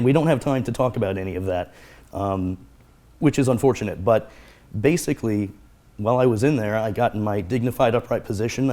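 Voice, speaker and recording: Low, mellow-voiced man explaining calmly. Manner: earnest, explanatory, fond of repeating key phrases. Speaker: guest therapist. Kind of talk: conversational explanation.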